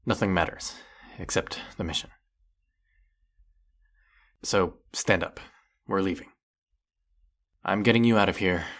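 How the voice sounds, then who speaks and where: A man acts out a brooding male vampire hunter, centuries old, for a dramatic audio roleplay. His voice sits deep and moves slowly. He confides haltingly, leaving heavy pauses, guilt-ridden yet set on his mission. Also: fairly bright tone. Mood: grim, resolute.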